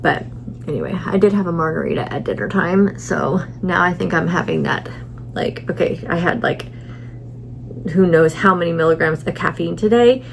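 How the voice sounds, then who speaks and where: A middle-aged woman vlogs casually from a hotel room, tired and a little stuffy, rambling with lots of fillers and restarts. Her lowish voice is creaky at a moderate pace, and the rough recording has slight background noise.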